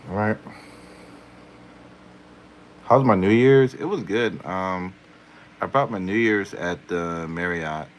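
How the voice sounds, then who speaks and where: A very low-voiced man chats casually on a live stream, answering viewers' questions. He keeps it playful and chuckles often. Faint hiss sits behind his voice. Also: slow pace, long pauses, poor audio. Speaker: tarot reader, live stream host.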